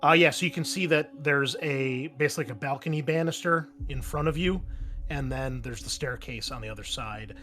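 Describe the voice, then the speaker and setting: A man's voice: mid-range voice, fairly quick, fairly bright tone, soft background music. A man running a tabletop game as game master, informal and thinking aloud as he narrates and checks rules.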